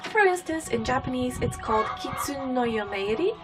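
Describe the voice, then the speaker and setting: High-voiced woman with mixed British-American-Bulgarian accent. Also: animated, normal speed, over music. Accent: blend of British, American and Bulgarian. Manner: playful, self-deprecating asides. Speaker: vlogger. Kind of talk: casual chatty vlog.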